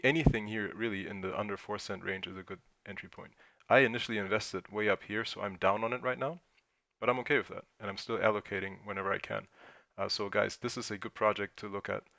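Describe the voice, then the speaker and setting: A man's voice: lowish voice, creaky, sharp tone, dry recording, highs cut off. A man from Germany whose first language is German, hosting a casual livestream and thinking aloud while he answers chat questions. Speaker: crypto livestream host.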